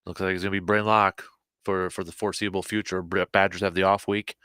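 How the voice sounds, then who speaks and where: Low-voiced and a bit hoarse, a man hosts a laid-back sports talk show at a quick, animated clip. He frequently restarts sentences and repeats himself. The recording is close and dry, with no echo.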